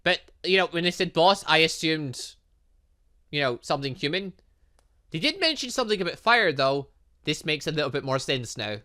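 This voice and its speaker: A man's voice: on the high side, lively intonation, moderate pace, bright, forceful tone. A man hosting a game playthrough, reading dialogue aloud and commenting in a theatrical, exclamatory way. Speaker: gaming video host.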